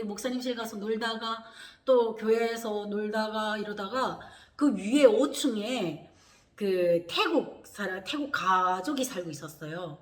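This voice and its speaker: A woman tells her own story with real animation. She acts out what others said and keeps an expressive, slightly high voice. The sound carries a noticeable room echo. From North Korea. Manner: animated, acts out quoted voices with gasps and laughs. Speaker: vlogger. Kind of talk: personal storytelling. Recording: echoey room.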